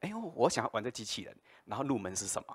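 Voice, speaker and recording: With ordinary pitch variation, a man speaks very fast over a quiet background. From Taiwan. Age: 40s. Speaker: maker and businessman; conference speaker. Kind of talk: conference talk. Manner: halting, many fillers. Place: hall. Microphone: handheld.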